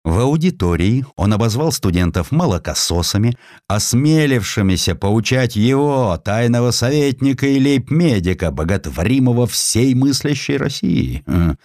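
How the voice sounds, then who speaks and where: A man's voice: medium pitch, moderate pace, dry recording, studio quality. A man reading a historical essay as a dramatized, theatrical audiobook narration. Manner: theatrical, expressive storytelling.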